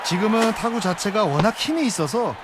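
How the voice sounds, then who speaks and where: A man's voice: high-pitched, expressive, brisk, heavy background noise. A man voicing an analytical baseball expert commentator in a video game, explaining plays conversationally.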